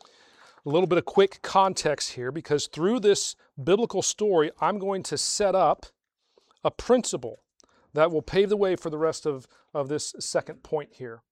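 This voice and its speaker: A man preaching a sermon to a congregation, asking rhetorical questions and slowing down to stress key phrases. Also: on the high side, dry recording, clean studio sound. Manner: swells louder on key phrases, slows for emphasis. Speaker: pastor.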